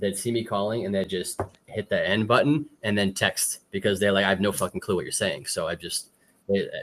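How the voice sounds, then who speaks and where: A man with a Boston accent talks at a fairly quick pace. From Boston, US. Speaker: poker player and coach. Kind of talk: interview. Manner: fast.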